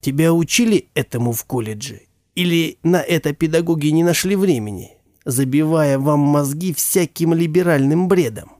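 A man playing a stern, scornful father who lectures coldly and shouts at his wife, in a storybook reading. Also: on the high side, normal speed, dry recording, studio quality, voice pushed up, close to an everyday voice. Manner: cold and sarcastic, bursting into shouts.

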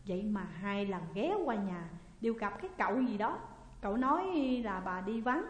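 A woman voicing a sly, pushy old male sorcerer in a story, speaking calm and measured. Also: mid-range voice, natural voice. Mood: insistent. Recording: long echoey reverb.

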